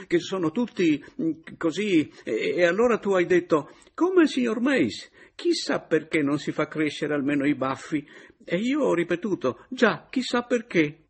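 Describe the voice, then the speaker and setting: A husky-voiced man reading an audiobook, voicing a touchy young woman who is quick to tears and protests indignantly. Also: fairly low pitch, pitched above the performer's own voice, exaggerated voice.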